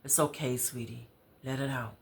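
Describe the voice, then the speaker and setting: A woman's voice: very deep voice, steady tone, moderate pace, gravelly. An American woman voicing an outspoken, caring woman friend in a story, with blunt, slangy, emphatic delivery. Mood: concerned.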